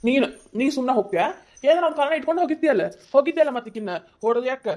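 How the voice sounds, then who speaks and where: A woman's voice: sits high, animated, rapid-fire, a little mellow. Woman voicing a hot-headed young village husband. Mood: scolding. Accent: North Karnataka Kannada. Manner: scolding, insistent, lecturing. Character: heated young husband defending his wife against his mother.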